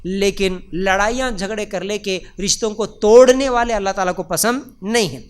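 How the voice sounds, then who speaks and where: High-voiced preacher. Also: male voice, clean tone. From India. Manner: emphatic and repetitive, with rhetorical questions. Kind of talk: religious lecture.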